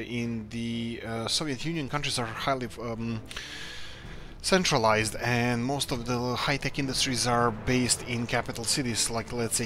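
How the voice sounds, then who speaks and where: A man from Croatia, hosting a let's play and chatting casually while he plays, thinking aloud in an upbeat, rambling way. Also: mid-range voice. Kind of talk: casual gameplay commentary.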